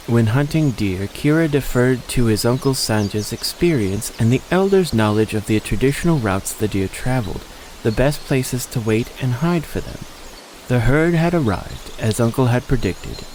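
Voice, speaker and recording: A man's voice: mid-range voice, a little mellow, a little hiss or hum, rough recording. A man delivering scripted, dramatic narration of a story as the narrator.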